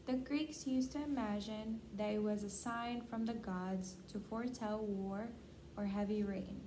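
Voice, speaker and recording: A woman with a mellow, mid-pitched voice responds and reads as a client in an assessment. Her delivery is plain, and a little noise sits behind her. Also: poor audio. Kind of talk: short answers and reading a passage aloud.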